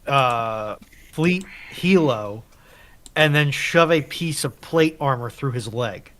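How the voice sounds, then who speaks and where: A man's voice: mid-range voice, expressive, takes it slowly, fairly bright tone. A man taking part as a panelist in a casual chat.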